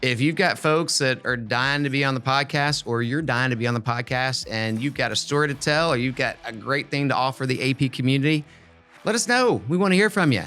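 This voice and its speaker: A man's voice: mid-range voice, fairly quick, pushed and bright, soft background music. A man hosting a podcast, giving casual advice and often repeating words as he thinks aloud. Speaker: podcast host.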